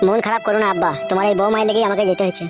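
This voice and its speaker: A man's voice: high-pitched, flat delivery, rapid-fire, lightly acted. A man voicing a cocky grown son in a comedy cartoon, brash and teasing. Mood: placating. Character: cocky, defiant grown son leaving home. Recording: music behind the voice.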